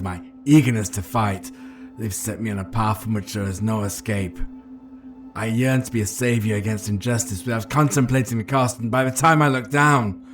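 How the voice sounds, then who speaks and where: A man playing a brooding rebel spymaster who damns himself in a grave, deliberate dramatic film monologue. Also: lowish voice, close to an everyday voice. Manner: grave, deliberate, building to intense declamation. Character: brooding, self-damned rebel spymaster confessing his sacrifices.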